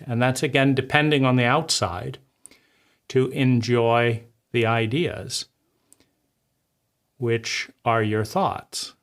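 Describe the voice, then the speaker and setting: A man's voice: medium pitch, fairly bright tone. A man hosting his channel, casually critiquing a book's argument with restarts and repeated rhetorical "right?". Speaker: host critiquing a book. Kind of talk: casual spoken commentary.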